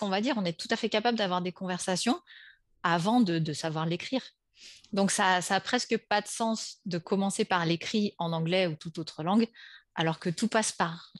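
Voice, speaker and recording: A woman who teaches languages, hosting an interview and talking in a lively way. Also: medium pitch, dry recording, studio quality. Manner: lively, animated when acting out examples. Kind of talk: interview conversation.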